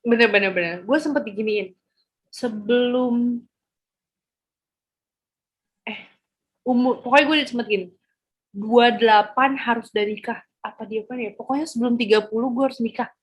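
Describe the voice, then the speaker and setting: A woman's voice: fairly high pitch, moderate pace, pauses often. A woman in her twenties, a podcast host, telling stories in slangy casual chat and acting out quotes. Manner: slangy, animated storytelling with acted-out quotes. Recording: dull lo-fi sound.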